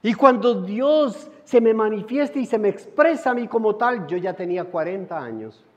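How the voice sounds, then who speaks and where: A middle-aged male pastor delivers a storytelling sermon in a high-pitched voice. He swings between loud, emphatic lines and hushed, intimate ones. The recording is dull and muffled, with a long church reverb trailing his words. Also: lively intonation, normal speed. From Colombia. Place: church sanctuary.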